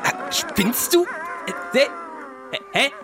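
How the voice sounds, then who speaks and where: A man's voice: very high voice, very animated, very slow, over loud music, exaggerated voice. A man voicing a bookish teenage girl who has ended up with a man's voice, stammering and flustered, in a comic audio play. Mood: amazed.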